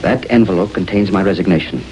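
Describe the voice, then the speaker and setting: Deep-voiced upright judge, man, formal, old radio with hiss. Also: fast talker, a little mellow, lightly acted, low-quality recording. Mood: stern. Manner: formal, dignified. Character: upright older judge, stern but shaken. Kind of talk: 1930s radio drama acting.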